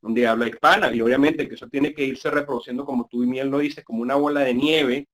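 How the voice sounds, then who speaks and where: A man's voice: mid-range voice, steady tone, brisk. A man speaks up in an online class. He is courteous and talks in long, winding sentences over a video call connection. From Venezuela. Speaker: participant asking a question.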